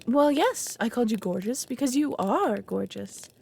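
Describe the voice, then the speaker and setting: A woman playing an anxious, possessive dragon in an ASMR roleplay, halting and formal, often dropping into breathy half-whispers. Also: a little high, expressive, a little mellow, heavily acted. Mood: flustered, coy. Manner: halting, earnest, formal wording. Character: anxious, lonely, possessive female dragon, awkwardly smitten. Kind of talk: ASMR roleplay audio drama.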